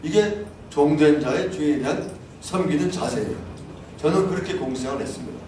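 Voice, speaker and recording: A man's voice: fairly high pitch, brisk. Indignant older man in an echoey hall. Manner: insistent, rising to shouted indignation. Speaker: civic group leader. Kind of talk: speech to an audience. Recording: echoey, distant room mic with faint noise.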